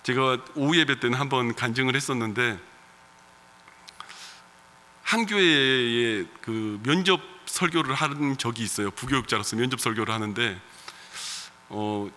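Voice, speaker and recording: Korean pastor preaching, bright voice in reverb. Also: male voice, mid-range voice, moderate pace, pauses often. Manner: animated preaching, swinging between loud emphatic calls and quiet storytelling. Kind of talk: sermon. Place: church sanctuary. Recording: long reverb of a church hall.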